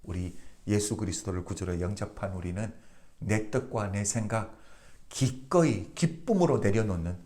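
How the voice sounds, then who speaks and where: A man's voice: fairly low pitch, normal speed, dark tone. A male pastor from Korea giving a daily devotional sermon, asking the congregation questions and answering them himself.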